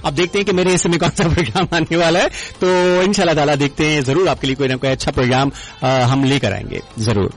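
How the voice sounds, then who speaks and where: A man hosting a radio call-in show, speaking courteously with formal address and slow, drawn-out hesitations. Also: fairly high pitch. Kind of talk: radio call-in chat with moral advice.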